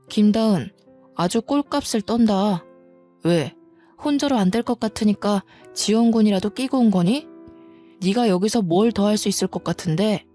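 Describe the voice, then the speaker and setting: A woman's voice: mid-range voice, warm tone, lightly acted. A woman voicing a cold, arrogant older sister who talks down with contempt. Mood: mocking. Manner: contemptuous, scolding.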